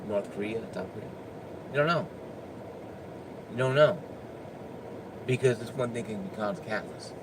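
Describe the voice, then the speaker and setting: A man's voice: on the low side, background noise. A man delivering an unscripted opinion rant, emphatic and often stammering through restarts. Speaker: political commentator.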